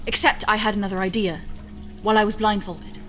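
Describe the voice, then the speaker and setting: An actress playing a stubborn, confident scientist in an audio drama, speaking in an assured, articulate, insistent way. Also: female voice, medium pitch, fairly even intonation, a little fast, fairly bright tone, faint music behind, lightly acted. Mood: excited, persuasive. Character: driven, stubborn female scientist, defiant and confident. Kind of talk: audio fiction acting.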